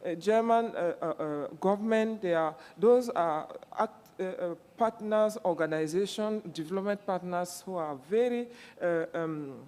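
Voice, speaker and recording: A woman from Cameroon speaking up as a panelist. She pauses often, restarts and fills gaps with "uh". Her voice carries a long reverb, as if recorded in a large room. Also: on the low side, a little mellow. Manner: hesitant, many fillers and restarts. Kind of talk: panel discussion remarks.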